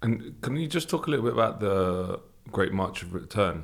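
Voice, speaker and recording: A man with a British accent and a fairly low pitch. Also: very clean recording, silent background. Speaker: investigative journalist and interviewer. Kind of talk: panel interview. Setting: studio.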